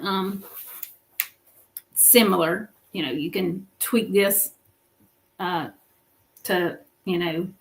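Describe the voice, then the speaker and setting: Woman, middle-aged, livestream business coach, gravelly fry, mid pitch, coaching tone, frequent check-ins. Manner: coaching, checks in with repeated "okay?" and "right?". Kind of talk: motivational livestream teaching.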